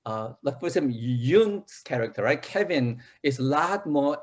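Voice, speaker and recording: A man's voice: medium pitch, expressive, normal speed, breathy edge. A man, an actor in a casual interview, who explains things at length in a thoughtful way.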